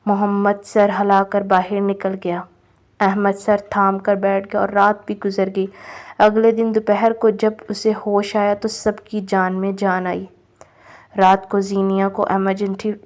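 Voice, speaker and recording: A woman narrating a novel aloud in an even, measured reading manner. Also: medium pitch. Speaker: novel reader.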